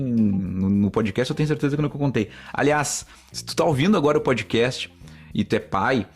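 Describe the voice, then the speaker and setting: This Brazilian podcast host speaks at a medium pitch with a darkish, breathy-edged tone. Alone at the mic, he tells casual stories in a loose, talkative way, frequently addressing his audience as "gente".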